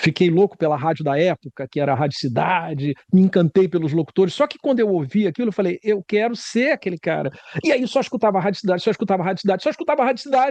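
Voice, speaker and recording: Speaking at a very fast pace with hardly any pauses, a man with a high pitch uses very wide pitch swings in a dry, close recording with no echo. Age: 50s. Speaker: radio announcer. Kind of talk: casual interview chat.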